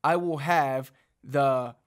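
In a small, dark home studio, a thirty-something Spanish teacher speaks into a boom-mounted studio mic placed in front of him, explaining a lesson to camera. His voice is mid-range and his pace slow. He's animated, uses his hands, and stays casual, conversational and encouraging.

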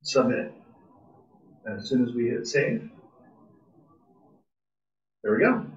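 A man with a mid-pitched voice walks through code live in a casual, enthusiastic way, thinking aloud as he goes. He sounds some way from the microphone in a roomy, echoing space. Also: very animated, takes it slowly. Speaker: presenter at a robotics club meetup. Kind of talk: informal live coding tutorial. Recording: distant, roomy, muffled meeting-room sound.

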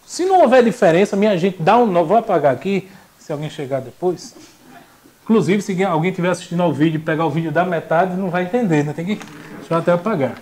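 A high-pitched young man talks fast while giving a classroom lecture. In his early adulthood, he keeps things jokey and lively, often acting out little voices.

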